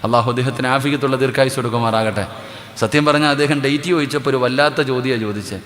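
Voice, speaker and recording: A man preaches, his voice bright and forceful. He keeps firing questions at the crowd and demanding answers. His loud exclamations drop to quiet asides, and the sound rings through a large hall with a long tail of echo. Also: medium pitch, quick pace. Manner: drills the crowd with repeated questions and calls for responses. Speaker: Islamic preacher. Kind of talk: sermon. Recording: reverberant public hall.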